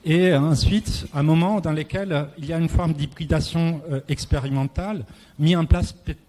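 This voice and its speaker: A man's voice: a little high, steady tone, moderate pace, darkish tone. Hesitant Italian-accented man in an echoey hall. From Italy. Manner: hesitant, searching for words. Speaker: round table speaker. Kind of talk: semi-prepared talk on architecture and photography. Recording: echoey hall, clear background noise.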